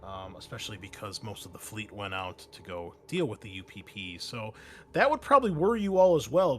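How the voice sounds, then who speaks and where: A man's voice: mid-range voice, a bit bright. A man running a tabletop game as game master, improvising narration in an informal way.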